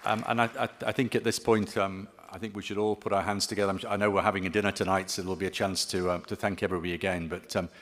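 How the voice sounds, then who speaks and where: A man giving closing remarks at a conference, speaking haltingly with many ums and restarts. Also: sits low, level tone, a bit bright, a faint crowd. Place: conference hall. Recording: long reverb of a large hall.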